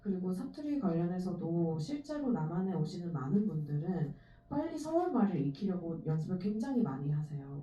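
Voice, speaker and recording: A woman answers questions at a film screening, speaking in a calm, measured way with small thinking pauses. Her voice is very mellow and a little low. It is heard from far back in an echoey cinema, with faint hiss. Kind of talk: panel Q&A answer. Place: cinema auditorium. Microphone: handheld mic heard through hall speakers, filmed from the audience. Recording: distant echoey audience phone recording.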